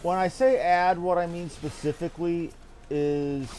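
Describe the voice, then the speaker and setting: A man's voice: a little high, fairly even intonation, a little slow, darkish tone, a little hiss or hum. A man giving casual live commentary while streaming a game, with a wry, mildly profane way of talking.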